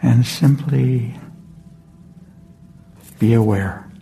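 Slow, gravelly-voiced man guiding meditation. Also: mid-range voice, slight background noise. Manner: slow, soft, with long pauses. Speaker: meditation teacher. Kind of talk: guided meditation. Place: meditation hall.

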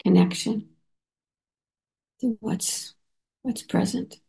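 A woman meditation teacher leading a guided meditation, unhurried and halting, with many soft pauses and fillers. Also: medium pitch, vocal fry. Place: meditation center.

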